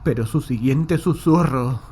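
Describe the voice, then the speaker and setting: A man's voice: medium pitch, a little slow, dark tone, breathy edge. A man narrating a horror audiobook in the first person, with a solemn, literary, dramatic delivery.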